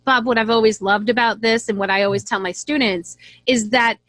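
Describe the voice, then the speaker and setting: A woman's voice: fairly high pitch, steady tone, a little fast, a bit bright, no room sound. A woman hosting a conversational interview, chatty and upbeat. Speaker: host and voice talent.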